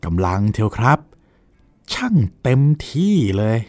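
A man's voice: fairly low pitch, a little slow, no echo, full character voice. A man voicing a polite, dutiful young nephew, recounting events deferentially in a dramatized novel reading. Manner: deferential, recounting events with lively acted quotes. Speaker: reader voicing a character.

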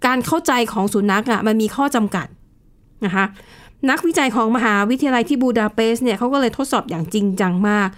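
A woman's voice: fairly high pitch, a little fast. A woman co-hosting a casual news chat show, explaining with examples and adding polite particles. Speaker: radio news co-host.

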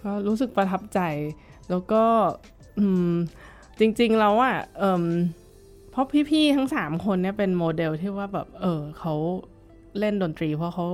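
A woman's voice: medium pitch, animated, normal speed, a little mellow, soft background music. A middle-aged woman violin teacher recalling her past in a casual interview, talking thoughtfully with many fillers and restarts.

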